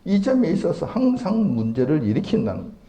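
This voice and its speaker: A man preaching a sermon, emphatic and fond of rhetorical questions that swing up in pitch. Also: wildly swooping pitch, fast talker, dark tone, roomy sound, low-quality recording.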